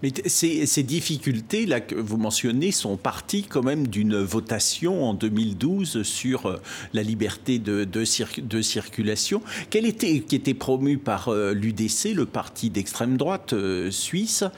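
A man interviewing a guest, asking stumbling, animated questions. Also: medium pitch, a little slow, slight background noise.

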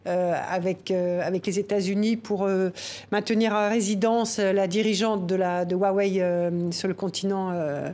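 A woman's voice: medium pitch, fairly even intonation, moderate pace, warm tone. A woman TV interviewer asking long news-interview questions full of fillers.

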